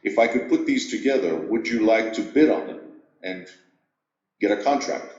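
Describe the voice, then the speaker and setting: A middle-aged man from Greece, an executive coach, telling his story at a measured, reflective pace in an interview. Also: on the low side, darkish tone, reverberant, lo-fi sound.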